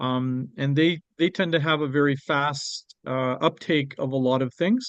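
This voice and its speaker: A man with a Canadian accent and a plain, everyday voice speaks fairly slowly, his fairly high pitch held to fairly even intonation. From Canada. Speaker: international trade consultant. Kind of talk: webinar presentation.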